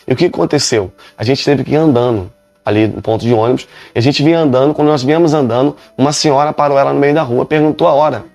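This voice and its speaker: A man's voice: medium pitch, fast talker, creaky, darkish tone, no echo, soft background music. A male pastor, telling his own conversion story emphatically and with many repetitions. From Rio de Janeiro, Brazil. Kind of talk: preaching a personal testimony.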